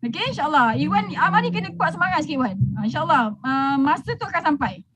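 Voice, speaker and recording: Middle-aged Malaysian woman, business mentor, very high pitch, brash and teasing, preachy. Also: sing-song, fast talker, crowd noise. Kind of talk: motivational talk to a group.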